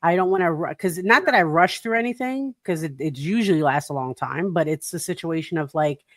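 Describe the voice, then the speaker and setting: A woman co-hosting a talk show in casual, animated chat, laughing and putting on playful voices as she talks. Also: fairly low pitch, a little fast, dry recording, studio quality. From Puerto Rican heritage. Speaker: podcast co-host.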